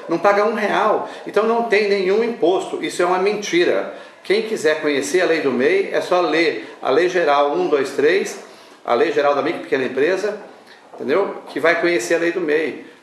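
An older man with a Brazilian accent, speaking as an association spokesman in an interview, halting between phrases and adding tag questions. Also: on the high side, animated. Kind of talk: sit-down news interview. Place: small indoor newsroom office. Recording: roomy, distant mic, faint noise.

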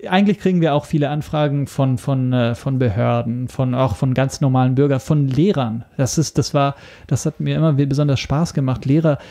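A man's voice: medium pitch, mellow. A man talking casually as a podcast guest, searching for words and often restarting his phrases. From Italy. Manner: halting, searching for words with repeated starts. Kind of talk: casual interview talk.

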